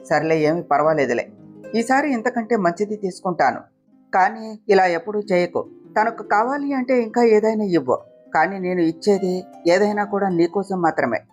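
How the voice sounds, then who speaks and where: A woman voicing a gentle, teasing young husband in a read-aloud family story. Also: mid-range voice, animated, normal speed, faint music behind, lightly acted. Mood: tender.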